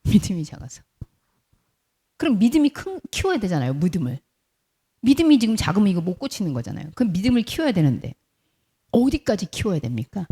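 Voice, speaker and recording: A woman's voice: mid-range voice, fast talker, long pauses, breathy edge. A woman pastor giving a sermon, telling the story with animation and asking the congregation questions. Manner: animated storytelling, acts out quotes.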